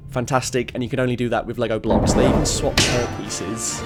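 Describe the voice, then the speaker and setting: A man's voice: mid-range voice, steady tone, a little fast, over loud music. A man narrating a scripted video essay in an opinionated, informal and emphatic way.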